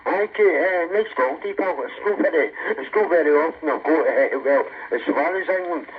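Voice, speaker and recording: A man's voice: fairly high pitch, a little fast. A Scottish man in casual, chummy CB radio chat, often repeating himself, over a lo-fi signal. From Scotland. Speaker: CB radio operator.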